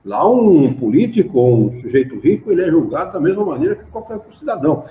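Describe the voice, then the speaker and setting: This Brazilian Portuguese-accented man runs a casual study group in an association's hall, talking with animation and reading passages out loud. He speaks quickly in a higher register, very animated, with slight background noise. The recording has a dull, echoing quality.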